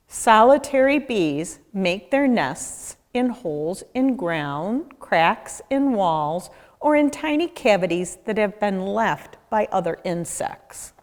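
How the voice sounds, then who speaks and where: A woman reading a children's book aloud, expressively and deliberately, as a nature educator speaking to young listeners. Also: mid-range voice. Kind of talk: children's read-aloud narration. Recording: echoey, reverberant room.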